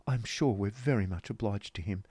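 A man's voice: lowish voice, fairly quick, dark tone, husky, dry recording. A man voicing a fussy, genteel Victorian mother who rambles on insistently and agrees with herself. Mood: polite.

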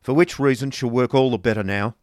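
A man voicing a bitter, scornful businessman with a rough voice and sardonic, falsely polite manner in a storybook reading. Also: medium pitch, a little fast, dry recording, clean studio sound, pitched above the performer's own voice, natural voice. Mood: hard. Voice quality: rough, grating. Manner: forceful, curt, sardonic.

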